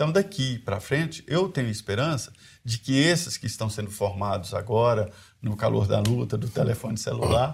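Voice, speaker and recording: This voice is somewhat breathy with lively intonation. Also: man. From Minas Gerais, Brazil (Vale do Jequitinhonha). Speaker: political journalist and commentator. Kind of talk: interview. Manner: halting, with frequent repetitions.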